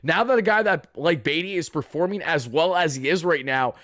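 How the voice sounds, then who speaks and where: A young man, hoarse from yelling, chatting through a baseball game recap for live viewers in a casual, boastful way. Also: a little high, a little fast, dry recording, clean studio sound. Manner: chatty, boastful fan banter. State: raspy from yelling. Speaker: sports fan channel host.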